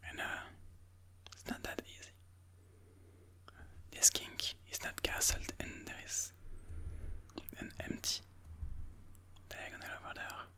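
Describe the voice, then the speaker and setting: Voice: takes it slowly, long pauses, bright, forceful tone. A person whispering breathily in an ASMR style, musing aloud move by move as they comment on their own chess game.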